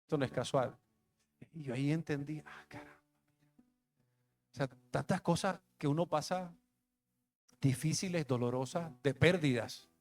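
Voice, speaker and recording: A young adult pastor shares a personal testimony during a sermon that feels conversational and emotional, telling his story with street slang. His voice sits a little high and is slightly mellow, and he speaks a little slowly with long pauses.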